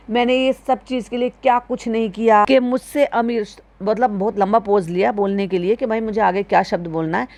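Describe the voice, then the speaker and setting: A woman's voice: fairly high pitch, darkish tone, dry recording. A woman giving casual, critical reaction commentary in speech, asking pointed rhetorical questions.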